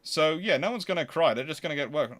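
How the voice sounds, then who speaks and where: A man's voice: fairly high pitch, lively intonation, fast, a bit bright. A man hosting a casual question-and-answer stream, talking in an emphatic, argumentative, conversational way. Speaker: host answering viewer questions.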